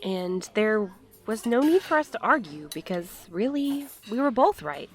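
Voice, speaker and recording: A woman playing an earnest, conciliatory but determined friend in a naturalistic audio drama, speaking gently and with care. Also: mid-range voice, lively intonation, a little slow, natural voice. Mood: earnest, resolute.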